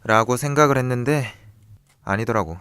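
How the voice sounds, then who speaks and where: A young man playing a cool, calculating character who reveals a crime's secrets in a measured, knowing way in an audio drama. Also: medium pitch, fairly bright tone, clean tone, no room sound, studio quality, lightly acted. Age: young adult. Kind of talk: audio drama acting, expository dialogue.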